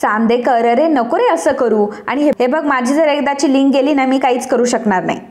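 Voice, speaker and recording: A woman voicing a stubborn, sharp-tongued young woman designer in a retold TV serial, speaking defiantly. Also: high voice, normal speed, lightly acted.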